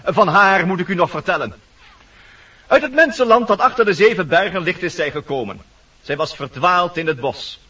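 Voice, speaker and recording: A man's voice: high-pitched, pushed and bright, husky, exaggerated voice. A man voicing a talkative, fussy woodpecker who narrates theatrically in a radio play. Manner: theatrical, addressing audience, fussy. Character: talkative, lively woodpecker, protective leader and narrator. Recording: dull, distant vintage radio recording.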